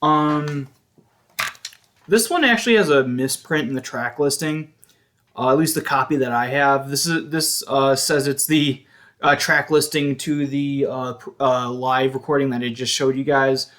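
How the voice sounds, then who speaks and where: A music collector vlogger with a mid-range, slightly bright voice gives a casual show-and-tell. His commentary is halting and hesitant, and he keeps stopping to correct himself.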